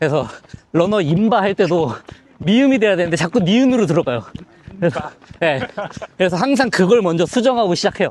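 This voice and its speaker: A man's high voice at a very fast pace, with lively intonation, very even loudness, long, frequent pauses and noticeable background noise. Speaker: hobby runner and running YouTuber. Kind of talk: casual chat.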